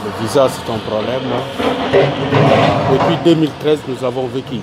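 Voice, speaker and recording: In a street interview full of heavy background noise, a tourism worker from Senegal speaks in a mid-range voice at a normal speed. His Senegalese French accent carries an earnest, pleading tone as he makes his case and goes back over his points.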